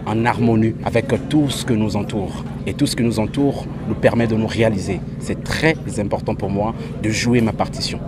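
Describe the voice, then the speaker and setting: A man in his thirties, a slam artist, explaining his work in a reflective, deliberate interview. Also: on the low side, fairly even intonation. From Republic of the Congo. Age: 30s. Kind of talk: interview answers. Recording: street noise with passing traffic.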